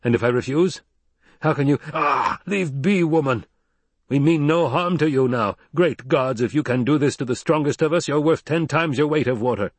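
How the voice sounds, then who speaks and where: A man voicing a gruff, commanding male desert tribal leader who roars and hurls insults. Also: mid-range voice, lively intonation, moderate pace, no echo, pitched above the performer's own voice. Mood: blustering. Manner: roaring, blustering, insulting.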